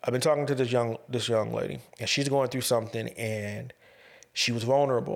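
A man speaks at a fairly quick pace, his medium pitch carried by fairly even intonation. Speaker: podcast host. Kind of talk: solo podcast monologue. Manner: monotone, calm.

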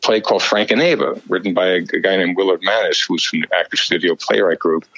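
A man speaks with a Brooklyn accent against noticeable background noise. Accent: New York (Brooklyn). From Brooklyn, New York (Bensonhurst). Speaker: cardiologist and filmmaker. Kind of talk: casual interview chat. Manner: halting, many repeated words.

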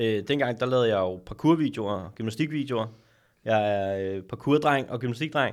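With a normal speaking voice, a man talks at a fairly slow pace and a medium pitch. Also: ordinary pitch variation. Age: 30s. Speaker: TikTok content creator. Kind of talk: casual chat.

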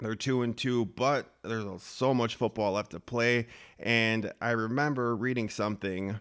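A man's ordinary speaking voice with an American accent, medium pitch, fairly even intonation and a moderate pace, on a very clean recording with a silent background. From Minnesota. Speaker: football coach and podcast host. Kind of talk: sports talk podcast, answering listener questions.

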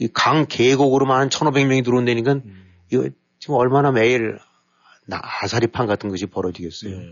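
A man with a plain, everyday voice, medium in pitch, at a fairly quick pace, with ordinary pitch variation and big swings in loudness. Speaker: news commentator. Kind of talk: radio talk show discussion.

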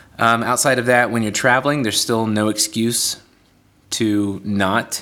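A man talks in an American accent. His pace is moderate. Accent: American, general. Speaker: podcast host. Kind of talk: casual chat.

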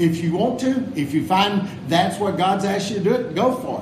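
A man with a high pitch speaks at a fairly slow pace. Noticeable background noise sits behind his voice. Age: 70s. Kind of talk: sermon. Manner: halting.

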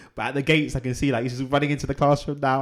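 Very fast speech from a man at a medium pitch, with vocal fry. The recording is very clean, with a silent background. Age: 40s. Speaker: fatherhood speaker and writer. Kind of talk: interview.

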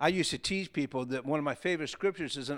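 A man talks at a very fast pace with ordinary pitch variation, recorded very cleanly over a silent background. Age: 60s. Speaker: missionary guest preacher. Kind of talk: sermon. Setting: church.

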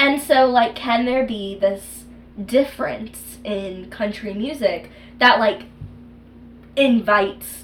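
Someone with an American accent speaks at a very slow pace with ordinary pitch variation. Noticeable background noise runs underneath. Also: woman. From Texas. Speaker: comedy podcast co-host, improviser. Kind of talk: casual chat.

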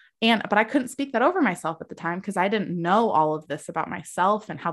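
A woman with lively intonation at a fairly quick pace, on a very clean recording with a silent background. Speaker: podcast host and mom. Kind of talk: podcast interview about personal story. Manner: fast talker; animated, tough-love encouraging.

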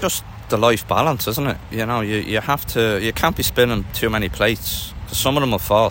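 This voice has an Irish accent and vocal fry. It moves at a fairly quick pace with ordinary pitch variation. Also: man, medium pitch for a man. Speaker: physiotherapist. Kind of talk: casual interview.

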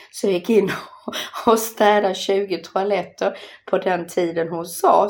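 With a Scanian accent, a woman speaks at medium pitch in a monotone, flat intonation and a fairly slow pace, over noticeable background noise. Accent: Skåne (Scanian) Swedish. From Skåne, southern Sweden (Malmö). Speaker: host's father's partner. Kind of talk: casual chat.

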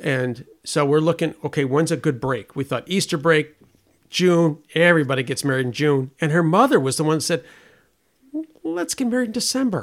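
A man's plain, everyday voice, fairly high-pitched, at a moderate pace on a very clean recording with a silent background. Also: lively intonation. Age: 60s. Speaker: retired runner, father-in-law. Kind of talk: casual interview, storytelling. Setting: at home in Florida.

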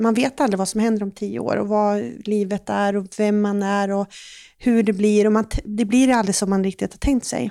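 A woman's dark, mellow voice at a moderate pace with monotone, flat intonation, on a very clean recording with a silent background. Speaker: association office manager. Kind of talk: panel discussion. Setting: office.

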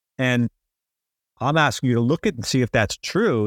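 A man with a New Jersey accent, medium pitch and lively intonation, in a dry, close sound with no echo on a very clean recording with a silent background. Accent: New Jersey American. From US, New Jersey. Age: 60s. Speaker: performance coach and author. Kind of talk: casual interview conversation.

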